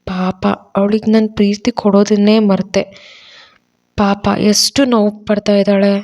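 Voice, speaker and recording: A woman voicing an emotional young man who speaks softly and pleadingly in a storybook audio drama. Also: mid-range voice, little pitch movement, a little slow, natural voice. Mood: tender.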